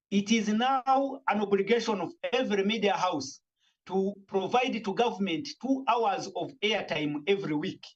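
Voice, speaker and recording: A man's voice: high-pitched, highs cut off. A man speaking earnestly as a media manager on a discussion panel, often restarting his sentences. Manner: earnest, argumentative, frequent restarts.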